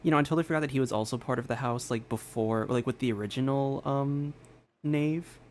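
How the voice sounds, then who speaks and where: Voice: medium pitch, fairly quick. A streamer giving casual, off-the-cuff commentary while playing a game. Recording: clear background noise over game audio.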